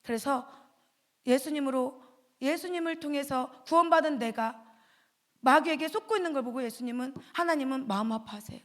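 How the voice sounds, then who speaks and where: Woman, very high voice, children's sermon, questions to the kids, acts out little scenes. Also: moderate pace. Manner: animated, asks the children questions. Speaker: pastor's wife giving a children's talk. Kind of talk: children's sermon with acted dialogue.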